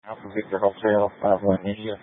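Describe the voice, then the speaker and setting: Low-voiced man on a tinny police radio. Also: monotone, a little fast, breathy edge, no room sound. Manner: clipped, procedural. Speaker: police officer calling dispatch. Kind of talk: police radio calls, spelling plates and repeating names and numbers.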